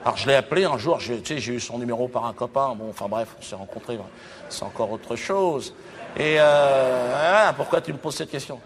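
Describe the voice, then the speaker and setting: A man from Cameroon performing a provocative stand-up monologue on a theater stage, breaking into loud exclamations. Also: mid-range voice, animated, brisk. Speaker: stand-up comedian. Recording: noisy live show recording.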